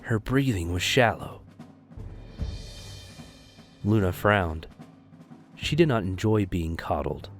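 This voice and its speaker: A man's voice: sits low, lively intonation, slow pace, long pauses, soft background music. A man reading scripted story narration expressively as the narrator of an audio drama.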